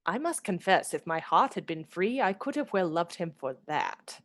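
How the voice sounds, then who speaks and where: A woman's voice: on the low side, lively intonation, normal speed, natural voice. An actress playing a sweet, chatty young Victorian lady in a radio play, confiding and dramatic in a girlish way. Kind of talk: radio play acting and storytelling.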